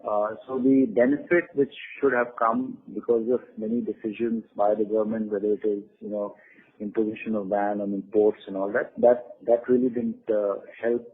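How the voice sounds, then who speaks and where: A man speaking as a company executive, giving halting, measured, unscripted answers on an earnings call over the phone. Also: on the low side, slightly rough. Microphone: phone conference line. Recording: tinny phone-line conference call.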